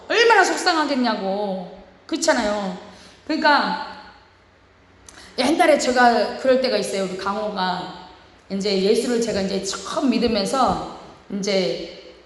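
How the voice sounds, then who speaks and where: A woman pastor giving a sermon, quoting scripture and retelling a family story in animated quoted voices. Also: on the high side, measured pace, long pauses. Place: church. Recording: echoey church hall.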